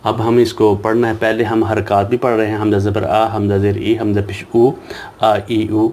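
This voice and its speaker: A man with a fairly low voice runs a slow, patient reading lesson for children. He spells out each letter and sound one by one and repeats every syllable so learners can follow. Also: flat delivery, darkish tone, slight background noise. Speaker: Quran reading teacher.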